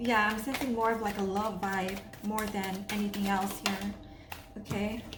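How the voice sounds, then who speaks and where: With audible room echo and noticeable background noise, a woman speaks at a fairly slow pace in a fairly high voice with fairly even intonation. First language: not English. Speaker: tarot reader. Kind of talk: tarot reading monologue. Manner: halting, many fillers.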